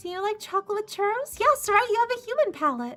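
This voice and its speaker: A put-on character voice, squeaky and full of lively intonation, races along at a very fast pace. Faint music plays in the background. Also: woman, extremely high pitch for a woman. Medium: game stream. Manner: talkative, rambling.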